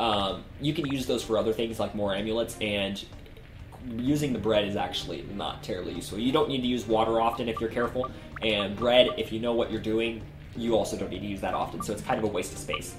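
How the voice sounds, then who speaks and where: Over background music and audible room echo, a man talks at a very fast pace, medium in pitch with ordinary pitch variation. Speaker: gaming YouTuber. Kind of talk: let's play commentary. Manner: halting, many fillers.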